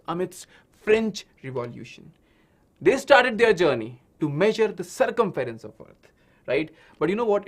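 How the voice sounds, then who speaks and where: Indian guy teacher, native hindi speaker, high pitched n super animated, tells it like a big story n keeps asking right?. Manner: dramatic storytelling with frequent check-in questions. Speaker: science teacher. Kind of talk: animated online lesson for children.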